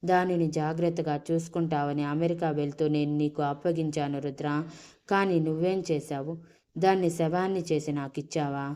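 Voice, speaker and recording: A woman voicing a grief-stricken young man who shouts through tears at a friend in a storybook reading. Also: on the high side, steady tone, moderate pace, clean tone, close to an everyday voice. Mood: angry grief.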